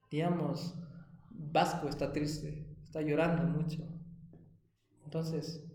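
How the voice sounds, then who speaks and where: A man's voice: on the high side, darkish tone, roomy sound. Man teaching a children's Bible lesson. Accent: Peruvian Spanish. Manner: asks the children frequent questions. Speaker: Sunday school teacher.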